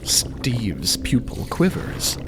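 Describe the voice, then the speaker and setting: A woman's voice: rumbling low, wildly swooping pitch, extremely slow, noisy background. A woman narrating a scripted audio drama in a dramatic storytelling style. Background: music.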